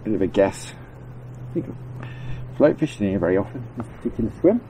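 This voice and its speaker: A stuffy-nosed man with a lowish voice talks his way through a fishing session by a river. He rambles along in an easygoing, chatty way, his nasal tone betraying a lingering cold. A faint hiss of wind sits behind him outdoors. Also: sing-song, a little fast. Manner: chatty, rambling, chuckles often. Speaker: angling vlogger. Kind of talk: casual on-the-spot commentary. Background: faint wind noise.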